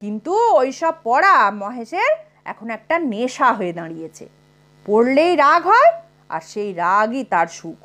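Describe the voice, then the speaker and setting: A woman narrates a comic short story as an audiobook, with expressive delivery. Her voice sits high and moves through wide, lively rises and falls. A faint mains hum lies beneath the recording. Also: moderate pace.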